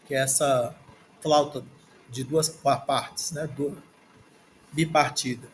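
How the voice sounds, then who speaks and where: This man's voice is mid-range and steady, and he speaks slowly over a faint hiss or hum. With a Brazilian Portuguese accent, he reads through a textbook at a desk in a screen recording, giving a halting language lesson and repeating words aloud as he thinks about how to say them.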